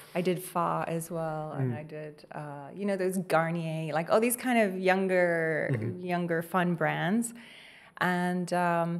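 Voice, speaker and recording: Very slowly, a woman speaks at a fairly low pitch with ordinary pitch variation. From Dubai. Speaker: voice artist. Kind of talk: interview answer.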